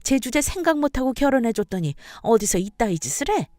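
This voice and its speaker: A woman's voice: on the high side, sing-song, a little fast, mellow, dry recording, studio quality, pitched above the performer's own voice. A woman voicing a contemptuous middle-aged mother-in-law who berates and insults her daughter-in-law.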